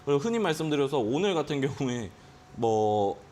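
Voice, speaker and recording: A man's voice: medium pitch, very animated, a little fast, dark tone, a little hiss or hum. A man teaching day trading on a finance show, explaining at length and acting out his own gut reactions with quoted exclamations. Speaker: stock trading instructor. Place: broadcast studio.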